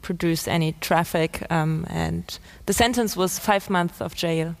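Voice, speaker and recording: A woman's voice: lowish voice, steady tone, measured pace, gravelly. A woman whose first language is German, speaking earnestly in English on a panel and sometimes searching for words. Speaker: climate activist guest. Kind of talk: panel discussion.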